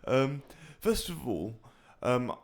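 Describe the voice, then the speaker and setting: A man's voice: medium pitch, sing-song, takes it slowly. A young man co-hosting a flight-sim tutorial, chatting casually and rambling with many fillers and restarts. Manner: rambling, filler-heavy, hesitant.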